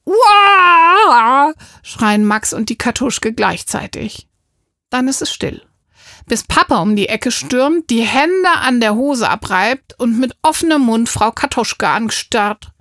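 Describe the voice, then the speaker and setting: A woman narrates a children's storybook in a slow, unhurried way. Her voice sits fairly high, and the close microphone leaves it dry with no room sound. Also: animated, fairly bright tone, dry recording. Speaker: audiobook reader. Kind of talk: scripted narration.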